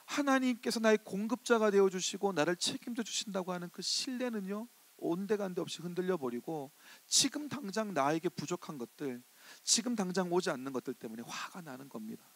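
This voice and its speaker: A male pastor delivering a sermon in an animated way, acting out the indignant voices of the people in the story. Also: high-pitched, a little fast, few pauses.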